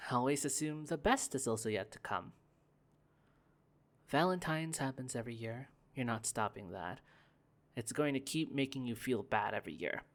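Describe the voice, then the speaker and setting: A young man voicing a gentle, guarded corporate heir in an ASMR roleplay, speaking softly with stammering restarts. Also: medium pitch, lightly acted. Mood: teasing. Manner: soft-spoken, hesitant, stammering restarts. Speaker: roleplay performer.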